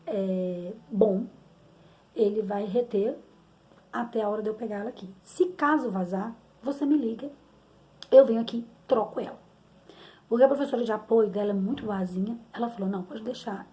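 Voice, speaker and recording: A woman's voice: fairly high pitch, warm tone. A middle-aged woman with a Brazilian Portuguese accent, telling a personal story as a mother in a candid, rambling, conversational way, often tagging her sentences with questions.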